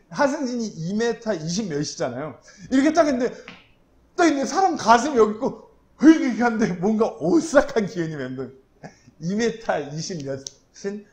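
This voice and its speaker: A man preaching a sermon as pastor, telling the story in a lively way with personal asides. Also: high voice. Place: church.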